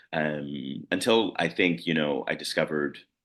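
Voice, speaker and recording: This man has an American accent and a very deep, low pitch, with a bright, sharp tone, vocal fry, and fairly even intonation. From US Midwest, north side of Chicago. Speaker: actor and composer. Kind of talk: interview. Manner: halting.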